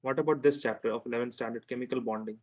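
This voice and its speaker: A man's medium-pitched, fairly even voice races along, sounding a little mellow. He's a chemistry teacher with a South Asian accent tutoring one-to-one informally, repeating phrases and frequently asking whether the student understands.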